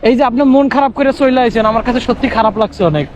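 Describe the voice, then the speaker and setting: A man's voice: very high-pitched, racing, muffled recording, a little hiss or hum. A young man from Bangladesh in a street vlog, coaxing and pleading, repeating himself. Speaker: vlogger. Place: outdoors on a city street.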